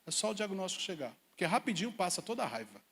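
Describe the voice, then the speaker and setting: High-voiced preaching man in reverberant hall. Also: rapid-fire, creaky, slightly rough. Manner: animated preaching, rhetorical questions. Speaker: pastor. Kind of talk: sermon. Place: church service hall.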